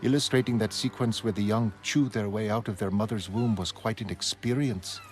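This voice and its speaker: A man voicing a precise, aloof female illustrator who speaks crisply. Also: lowish voice, fairly even intonation, normal speed, slight background noise, natural voice. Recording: music underneath.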